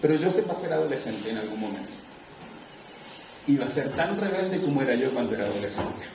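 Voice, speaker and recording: A man preaching a sermon as pastor, lively and animated, acting out little scenes. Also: mid-range voice, fast talker, a little hiss or hum. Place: church. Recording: echoey room, mic far off.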